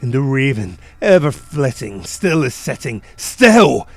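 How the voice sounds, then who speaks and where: A man narrating a gothic poem as a dramatic reading, with theatrical, deliberate phrasing. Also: mid-range voice, very animated, no echo.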